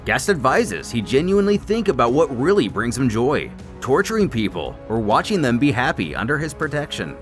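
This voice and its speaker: A man's voice: mid-range voice, very animated, moderate pace, few pauses, faint music behind. A man delivering scripted story recap narration in a dramatic storytelling manner, with wry asides.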